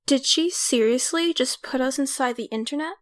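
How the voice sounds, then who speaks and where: A woman's voice: high-pitched, normal speed, no echo, natural voice. A woman playing a baffled, questioning sidekick in an audio drama.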